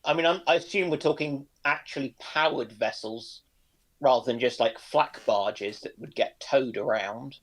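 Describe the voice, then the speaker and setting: A man's voice: medium pitch, moderate pace, fairly bright tone, rough recording. A man commenting in a casual panel chat.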